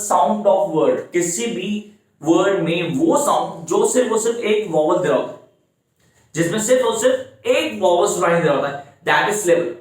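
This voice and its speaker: A man teaching English poetry terms in an exam-prep lecture, reading lines slowly and repeating words to drill them. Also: high-pitched. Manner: slow, drawn-out word-by-word reading and repeating. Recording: echoey room, from a distance.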